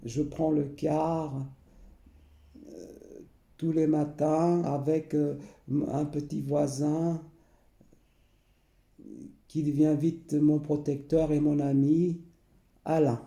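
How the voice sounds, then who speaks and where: A man, recalling his past slowly and hesitantly, often pausing and repeating himself. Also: fairly high pitch, level tone, dark tone, echoey room. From Portugal. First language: Portuguese. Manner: hesitant, many pauses and repeated phrases. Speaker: memoir narrator. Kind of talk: slow personal recollection.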